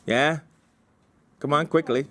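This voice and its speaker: A man's voice: on the high side, fairly even intonation, takes it slowly, a bit bright. A man leading a group discussion casually, in an informal, jokey way, prodding people with questions. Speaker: workshop leader giving script feedback.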